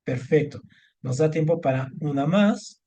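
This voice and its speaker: A man's voice: a little high, unhurried, vocal fry, warm tone. Patient male tutor on a video call. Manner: patient, encouraging, many fillers like este and ujú. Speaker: Spanish teacher. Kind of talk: online tutoring lesson over screen share.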